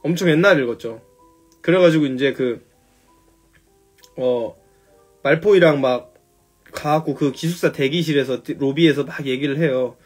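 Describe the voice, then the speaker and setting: A man's voice: on the high side, moderate pace, pauses often, husky, soft background music. A man casually retelling a story on a phone live stream, loose and chatty, swearing now and then.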